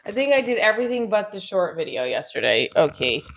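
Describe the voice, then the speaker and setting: With big pitch swings and a fairly quick pace, this mid-range female voice belongs to a middle-aged live stream host who creates and performs comedy. She's stuffed up and nasal, talking casually, frankly and ramblingly from home, where the recording picks up clear noise and clicks.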